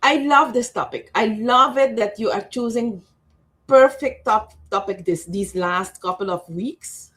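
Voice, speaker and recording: A woman co-hosting a talk show, speaking conversationally as a coach with deliberate, emphatic phrasing. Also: on the high side, fairly bright tone. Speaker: co-host, life and relationship coach.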